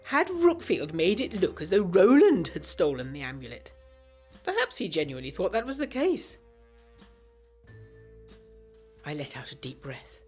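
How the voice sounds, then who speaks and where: A refined young 1920s english lady, secretive n uneasy, lowish lively voice, narrating gothic drama over music. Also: moderate pace, breathy edge, heavily acted. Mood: uneasy, reflective. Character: genteel young 1920s Englishwoman, secretive, anxious letter-writer. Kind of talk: scripted first-person audio drama narration.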